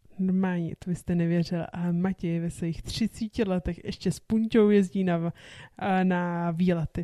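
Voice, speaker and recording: In a dry, close sound with no echo on a very clean recording with a silent background, a woman speaks very slowly at a fairly low pitch, her dark, mellow tone held in monotone, flat intonation. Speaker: podcast co-host. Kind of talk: casual chat. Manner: speeds up when stressed.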